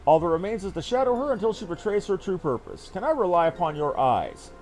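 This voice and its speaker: A man's voice: high-pitched, very animated, quick pace, darkish tone, low-quality recording. A man reading game dialogue aloud as a stern military captain, with grave, formal, old-fashioned phrasing. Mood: stern, intent. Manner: grave, formal, archaic diction. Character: earnest military captain briefing an ally on a spy hunt.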